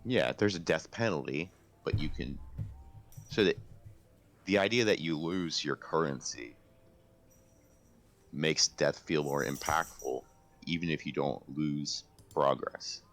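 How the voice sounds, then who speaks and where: A man with an exceptionally deep voice chats casually as a podcast co-host. His delivery is gravelly and emphatic, with real enthusiasm for games. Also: slow, pauses often, fairly bright tone. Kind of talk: casual video game discussion.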